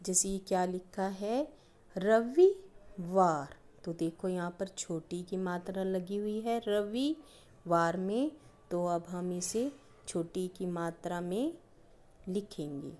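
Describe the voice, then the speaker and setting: A woman teacher giving a patient grammar lesson to young schoolchildren, stretching out each example word slowly and calling them children. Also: lowish voice, darkish tone. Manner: slow, drawn-out stressing of each example word; patient, addresses pupils as "children".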